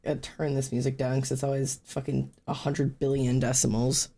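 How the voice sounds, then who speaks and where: A man's voice: mid-range voice, completely flat delivery, moderate pace, gravelly, mellow. A man with a stuffy, sniffly nose chatting casually on a live stream, greeting and thanking chatters by name and rambling loosely while he draws. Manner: loose, rambling with fillers and restarts. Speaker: livestream host.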